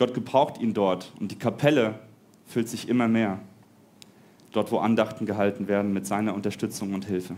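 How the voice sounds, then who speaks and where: A man's fairly low voice at a moderate pace, fairly even in intonation, with long, frequent pauses. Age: 30s. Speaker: pastoral worker giving a Christmas Eve sermon. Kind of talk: sermon.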